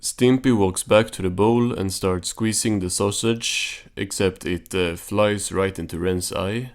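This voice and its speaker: A man's voice: low-pitched, measured pace. A man recapping a cartoon as host, in a casual, understated, offhand way.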